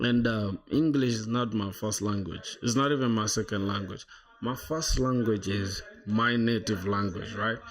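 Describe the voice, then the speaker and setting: A man with a South Sudanese accent speaks at a fairly slow pace, his medium pitch moving with ordinary variation. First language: Shilluk. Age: 20s. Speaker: programming livestreamer. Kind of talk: casual livestream chat. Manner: casual, halting.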